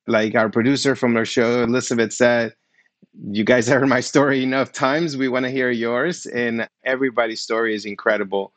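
A man's voice: mid-range voice, flat delivery, moderate pace, fairly bright tone, no echo. A middle-aged man hosting an interview podcast in an upbeat, welcoming way with plenty of follow-up questions. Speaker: podcast host.

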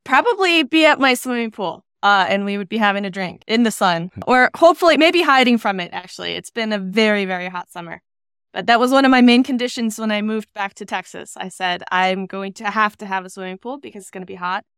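A woman in her thirties from Iceland, a podcast guest telling stories about her career in a relaxed, chatty way over a video call. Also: medium pitch, fairly quick, clean tone, no echo, clean studio sound. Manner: chatty, anecdotal, frequent "you know" fillers. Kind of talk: relaxed storytelling interview.

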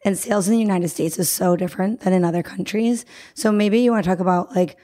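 A woman's voice: mid-range voice, quick pace, mellow. A woman hosting a podcast interview, conversational as she asks thoughtful questions. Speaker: podcast host.

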